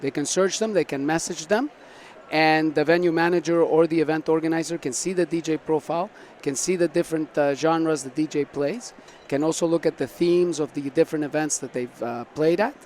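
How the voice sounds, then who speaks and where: A man's voice: on the high side, brisk, few pauses, darkish tone. A man from South America giving earnest, explanatory answers as a startup founder in a conversational interview. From South America (Argentina and Venezuela), born in Canada. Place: busy tech conference floor. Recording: noisy busy event with background ambience.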